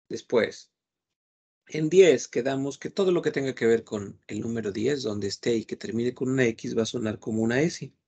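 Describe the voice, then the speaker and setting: A man's voice: mid-range voice, dark tone, breathy edge. A man teaching a French class online, patient and repeating words as he explains.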